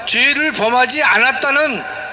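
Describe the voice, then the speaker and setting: A man's voice: very high voice, a little slow, slight background noise. A man speaking as a guest professor, giving formal, emphatic political commentary and explanation. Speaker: guest, constitutional law professor.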